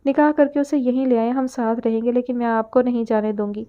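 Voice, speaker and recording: A woman's voice: on the high side, fairly even intonation, smooth, natural voice. A woman voicing a desperate, tender mother of two in an audio story, pleading and tearful. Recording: narrow phone-like sound.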